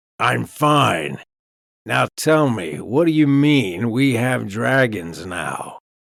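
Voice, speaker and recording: A man puts on a raspy character voice at a medium pitch. He talks very slowly, with very wide pitch swings. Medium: read story. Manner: gruff, terse.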